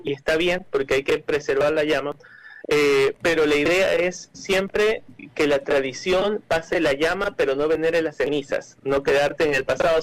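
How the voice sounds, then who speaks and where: A man's voice: fairly high pitch, rough recording. An Ecuadorian man answering interview questions as a cultural manager, often hesitating, restarting and repeating words.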